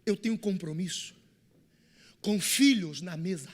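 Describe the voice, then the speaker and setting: Male pastor with a Brazilian accent and a very high voice, preaching a sermon with loud bursts and soft asides. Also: measured pace. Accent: Brazilian Portuguese. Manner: animated, swings from hushed to shouting; informal, slangy asides to the congregation.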